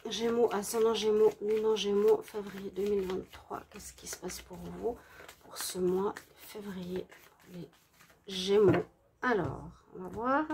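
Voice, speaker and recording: Woman, stuffy nose from a cold, gentle tarot reader, halting and hesitant, slight background hiss. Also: medium pitch, steady tone, creaky. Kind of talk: relaxed tarot reading for viewers.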